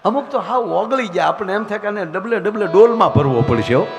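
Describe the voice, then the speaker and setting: A man's voice: high-pitched, animated, fairly quick, over music. A man telling teasing comic stories on stage before a live audience. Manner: chatty, teasing, acts out scenes. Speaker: folk comedian at a dayro. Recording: live stage hall with faint noise.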